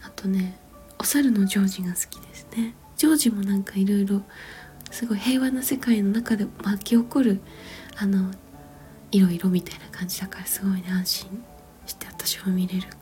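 Soft music plays behind a mother in her thirties as she whispers a long, wandering story, gentle and dotted with little fillers and quiet laughter. Her mid-range voice keeps a steady tone and a brisk pace.

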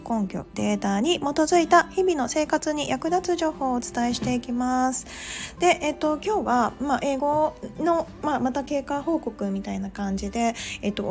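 A woman's voice: high-pitched, a little mellow. Chatty Japanese-speaking woman host. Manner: chatty, many fillers, laughs at herself. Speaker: pharmacist and podcast host. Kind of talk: casual monologue.

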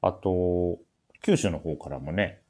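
A man's voice: low voice, takes it slowly, warm tone. A man hosting a casual radio-style talk, bantering and teasing his co-hosts. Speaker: show host, MC.

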